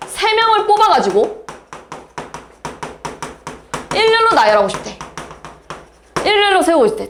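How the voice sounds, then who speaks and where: A woman's voice: high voice, a bit bright, slight background noise. A woman math teacher lecturing a class, explaining step by step and asking her students questions.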